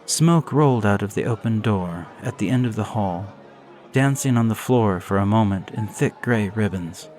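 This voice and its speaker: Man, low-pitched, solemn horror story reader, faint music bed. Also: animated, moderate pace, darkish tone. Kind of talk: scripted first-person narration.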